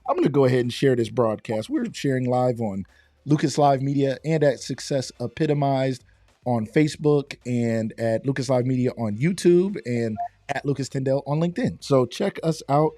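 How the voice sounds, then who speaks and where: A middle-aged man hosting a live online show, slightly hoarse from losing his voice, talking in an upbeat, chatty way and greeting viewers by name. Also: medium pitch, moderate pace, dark tone, no echo. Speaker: host.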